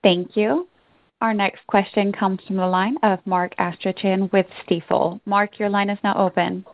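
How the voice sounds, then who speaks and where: A woman's voice: mid-range voice, steady tone, measured pace, dry recording. A woman working as a conference call operator, making scripted announcements to introduce callers. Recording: dry, narrow phone-like line.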